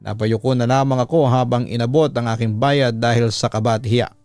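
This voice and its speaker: A man's voice: medium pitch, a little mellow, no room sound. A man with a Filipino accent reading a listener's letter aloud as a storytelling host, in first-person dramatic narration.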